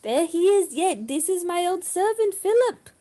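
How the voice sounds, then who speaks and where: A woman playing a fussy, excitable male vampire dandy in a comedy table read. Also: extremely high pitch, moderate pace. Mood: fussy, eager. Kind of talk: video-call table read of a comedy film script. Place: remote video-call reading.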